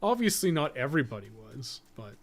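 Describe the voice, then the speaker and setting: A man's voice: mid-range voice, sing-song, a little fast, gravelly, slight background noise. A man doing casual live gameplay commentary, thinking aloud and swearing freely as he plays. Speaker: game streamer and guide writer.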